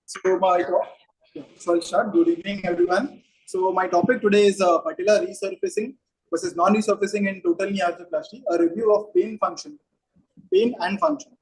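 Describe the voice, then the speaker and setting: A young man with an Indian accent gives a formal academic presentation. His voice is high for a man and rough-edged, with a husky grain. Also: a little fast, darkish tone, low-quality recording. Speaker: orthopaedic fellow presenting. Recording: online meeting audio from a tablet.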